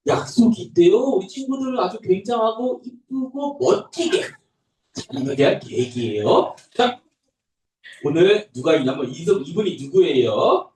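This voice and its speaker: A young adult man gives a children's sermon in a high, lively, sing-song voice, his pitch bouncing up and down as he talks to little ones. He sounds a bit far from the mic, and the church room around him rings with echo. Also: normal speed. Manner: animated, sing-song storytelling to toddlers. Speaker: pastor. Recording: echoey room, voice from a distance.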